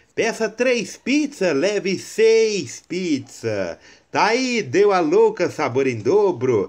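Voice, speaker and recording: Speaking at a very slow pace against a quiet background, a man uses a high pitch with very wide swings. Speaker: local advertising announcer. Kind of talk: loud repetitive promo pitch, hammering the deal and phone numbers. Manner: urgent hard-sell call to action.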